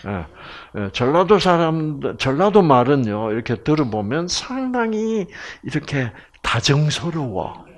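A man with a Gyeongsang Korean accent lectures at an unhurried pace and tells his stories in a joking way. His pitch rises and falls a great deal as he turns to the audience with questions. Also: big pitch swings. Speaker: health program lecturer.

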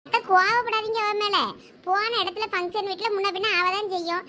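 A caring village housewife with a Thoothukudi accent, played by a woman in a homespun village drama. Her very high voice runs on fast and coaxing, soothing and talkative. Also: fairly even intonation, pushed and bright. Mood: reassuring. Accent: Thoothukudi Tamil. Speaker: village wife.

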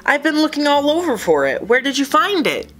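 A woman voicing an eager young male fish who exclaims in a high, rising voice. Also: lively intonation, normal speed, a bit bright, close to an everyday voice. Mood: insistent.

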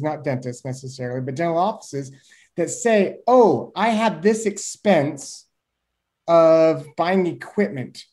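A man in his thirties, a guest expert explaining things animatedly to a host over a video call from a small room. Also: high voice. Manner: animated, gestures with hands, uses homely examples. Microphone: webcam on a video call.

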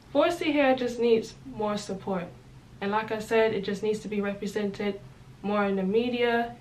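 A woman's voice: mid-range voice, a little hiss or hum, low-quality recording. A young woman vlogging in casual chat, emphatic and opinionated, in a small indoor room. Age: young adult.

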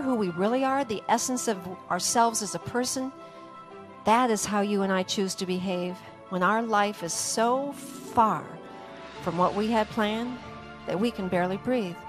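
An older woman giving a motivational keynote on a conference stage with a handheld mic, with a punchy, emphatic delivery aimed at the audience. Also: medium pitch. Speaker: keynote speaker. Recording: roomy hall with long reverb.

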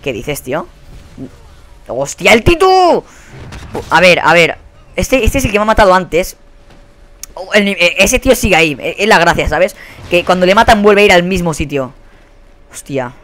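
A young man with a Spanish accent commentating his own shooter gameplay, swearing a lot and quick to burst into angry shouts. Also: high voice, expressive. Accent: Spanish from Spain. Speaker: gaming commentator. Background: faint gunfire from the game.

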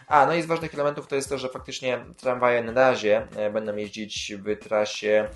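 A man's voice: mid-range voice, little pitch movement, moderate pace, a bit bright. A man hosting a casual news roundup, rambling with filler sounds and self-corrections, and dropping dry sarcastic asides. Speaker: YouTube host covering city transit news.

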